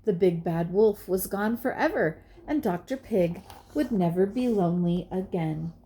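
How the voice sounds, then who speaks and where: Slow, mellow woman reading a storybook. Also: mid-range voice, expressive, slightly rough, poor audio. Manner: deliberate, dramatic pauses. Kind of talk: expressive children's picture-book read-aloud.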